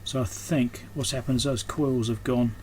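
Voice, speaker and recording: Male repairer, medium pitch, casual hands-on commentary, unscripted and trailing off, audible background noise. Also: fairly even intonation, moderate pace, darkish tone. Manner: unscripted, thinking aloud, trailing off mid-thought. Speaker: electronics repairer and video host. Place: indoors at a repair workbench. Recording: clear background noise, room ambience.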